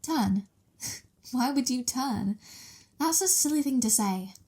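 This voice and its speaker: A woman playing a childlike, excitable vampire mistress in an ASMR roleplay, with a gleeful, teasing, innocent manner. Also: sits high, takes it slowly, slightly rough, exaggerated voice. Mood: playful.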